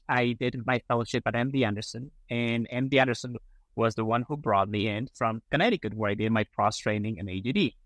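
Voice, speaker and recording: A man's voice: mid-range voice, fairly bright tone, dry recording. A middle-aged man from Colombia, a prosthodontist guest on a podcast, talking casually with many fillers and restarts. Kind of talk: casual interview talk.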